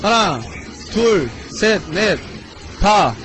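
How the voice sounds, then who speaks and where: A man giving excitable, exclamatory commentary on a fighting-game tournament, mixing announcer calls with casual chat. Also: high voice, drawn-out words. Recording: loud background noise.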